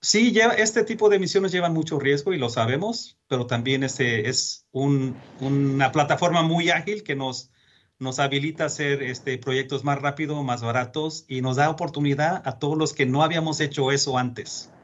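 A Mexican space agency executive with a Mexican accent speaks earnestly as a guest in a radio interview, using many fillers and restarts. His voice is a little high at a moderate pace, and the sound is lo-fi.

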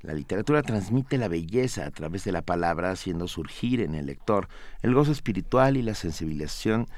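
A man's voice: sits low, animated, brisk, a little mellow, dry recording. A man with a Mexican accent presenting as a radio host, partly reading from a script.

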